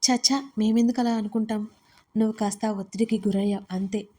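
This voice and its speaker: A woman voicing a caring middle-aged mother-in-law who speaks gently and reassuringly in an audio storybook. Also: medium pitch, fairly even intonation, fairly quick, natural voice. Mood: concerned.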